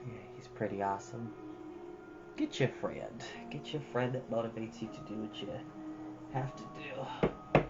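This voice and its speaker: A man's voice: medium pitch, measured pace, pauses often, dull audio, loud music behind the voice. A man hosting a storytime channel, speaking casually in an earnest, reflective and encouraging way. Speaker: host of a storytime reading channel. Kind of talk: casual chat and expressive book reading.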